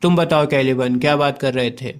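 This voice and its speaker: A man playing a drunken, bossy, hot-tempered male butler in a brisk, commanding way. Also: mid-range voice, steady tone, clean tone, close to an everyday voice.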